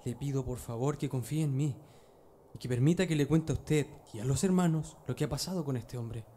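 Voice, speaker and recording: A man's voice: mid-range voice, brisk, mellow, natural voice. A man playing an earnest, persuasive early Christian disciple in an amateur religious radio drama. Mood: pleading.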